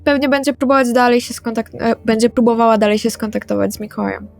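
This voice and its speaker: A woman talks casually as a player in a role-playing game. Her voice is somewhat high, with faint music playing behind it. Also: flat delivery, fast talker, vocal fry, darkish tone, no room sound. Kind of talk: casual in-character table talk. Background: background music.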